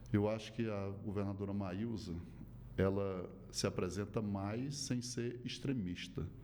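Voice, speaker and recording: There is audible room echo around a man's fairly low voice. He speaks at a fairly slow pace with ordinary pitch variation. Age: 60s. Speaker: state government secretary. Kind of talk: political interview.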